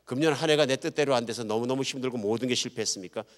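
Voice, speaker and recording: A man preaching a sermon to his congregation, emphatic, swinging from loud to hushed and joking with the listeners. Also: mid-range voice, racing, big-room sound. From Chungcheong Province, Korea. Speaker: pastor. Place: church sanctuary.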